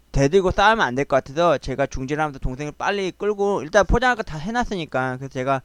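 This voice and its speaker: A man hosting his own channel, telling a family quarrel story in a casual, agitated way and acting out the shouting. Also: a little high, clear, resonant tone, dry recording. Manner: agitated, animated retelling, quoting people in raised voices.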